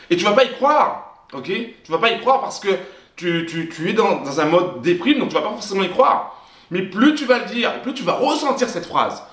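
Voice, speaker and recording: A man with a high, lively voice gives an emphatic motivational pep talk straight to camera. He repeats himself and restarts his phrases often. The room around him is echoey. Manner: emphatic, repetitive, frequent restarts. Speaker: self-help vlogger.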